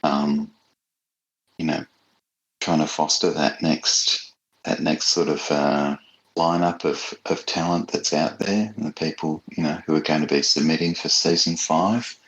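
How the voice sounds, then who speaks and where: Male writer guest, extremely deep voice, conversational, thoughtful and appreciative. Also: fairly even intonation, measured pace, a bit bright, rough recording. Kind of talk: casual interview chat.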